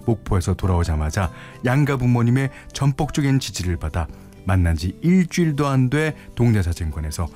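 Relaxed male radio DJ. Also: mid-range voice, brisk, soft background music. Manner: relaxed, chuckling and chatty with listeners. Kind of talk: radio hosting and story narration. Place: radio studio. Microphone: studio microphone.

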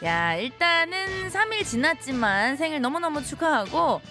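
A cheerful woman in her thirties hosts a live radio show, reading listener texts and teasing fans in the studio. Her voice sits high and swings widely in pitch. Music plays steadily beneath her talk. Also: sing-song, normal speed. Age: 30s.

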